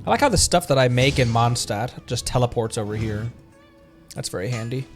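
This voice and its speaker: A man streaming a game live, reading text aloud haltingly and adding his own commentary. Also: medium pitch, lively intonation, faint music behind.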